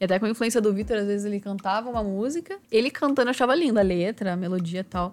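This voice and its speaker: A woman speaks at a very fast pace with hardly any pauses, her medium pitch moving with ordinary variation, on a very clean recording with a silent background. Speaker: podcast host. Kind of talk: casual chat. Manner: fast, talkative.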